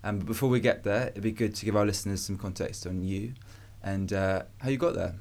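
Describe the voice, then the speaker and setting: A man's voice: fairly low pitch, a little fast, darkish tone. A man co-hosting a podcast, asking a guest easygoing, friendly questions. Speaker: podcast co-host. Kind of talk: interview questions.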